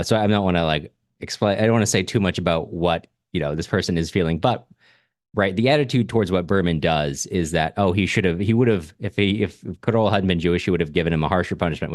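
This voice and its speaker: A man's voice: low voice, no echo, clean studio sound. A man co-hosting a podcast, talking through a book in a casual, discursive and analytical way, often rephrasing himself mid-thought. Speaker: podcast co-host discussing a novel.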